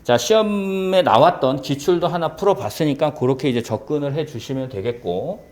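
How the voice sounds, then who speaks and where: Lively Korean lecturer, animated pitch. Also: male voice, normal speed. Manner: lively, asks many rhetorical check questions. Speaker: civil service exam Korean teacher. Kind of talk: classroom lecture.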